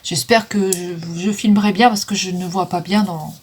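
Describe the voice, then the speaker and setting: A woman's voice: on the low side, steady tone, moderate pace, a little mellow, husky. A woman chatting casually through a makeup declutter, with frequent fillers, stumbling over English names. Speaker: vlogger selling makeup. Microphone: phone.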